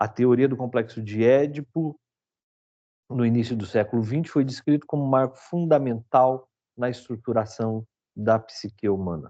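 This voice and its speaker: Against a quiet background, a man talks at a moderate pace with a medium pitch. His tone is dark and mellow, with ordinary pitch variation. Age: 50s. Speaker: psychoanalyst and teacher. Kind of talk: thesis presentation. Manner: formal.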